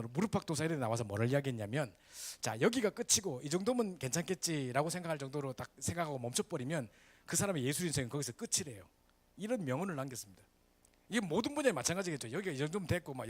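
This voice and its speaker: Pastor guy, preaching quick, voice bouncing up and down, keeps asking the crowd "right?". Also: a little high. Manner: lively, animated preaching with frequent "그죠?" asides to the congregation. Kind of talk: sermon. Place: church sanctuary.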